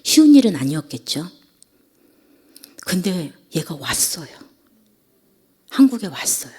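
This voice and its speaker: A woman's voice: fairly low pitch, sing-song, measured pace, darkish tone, slightly rough. A middle-aged woman preacher giving an emotional sermon testimony, dropping to whispers and then rising again. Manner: emotional storytelling, drops to whispers then rises. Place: church sanctuary.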